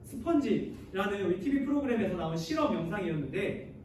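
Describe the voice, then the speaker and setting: A man's voice: sits high, animated, a little fast, darkish tone, recorded from a distance. A man preaching a sermon as youth pastor, addressing the listeners often with questions and leading them in reading scripture aloud, recorded in a large church hall. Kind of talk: sermon to high school students. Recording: very echoey hall, voice heard from afar, faint noise.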